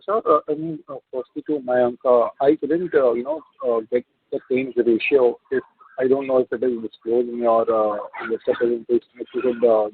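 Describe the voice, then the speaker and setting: Husky male caller on a phone line. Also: medium pitch. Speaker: securities analyst, caller. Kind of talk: asking questions on an earnings call. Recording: muffled, narrow phone line.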